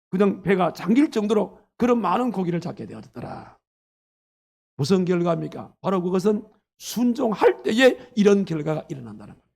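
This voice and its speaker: A man's voice: high-pitched, gravelly, darkish tone. A man preaching as a pastor, earnestly retelling a story with its quoted dialogue. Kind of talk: sermon. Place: church sanctuary.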